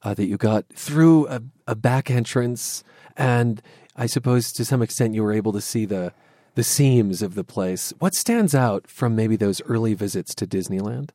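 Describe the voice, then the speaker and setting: A man from Southern California with an American accent, hosting a public radio interview in a measured, articulate way. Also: lowish voice, expressive, mellow, dry recording, clean studio sound. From Southern California, USA.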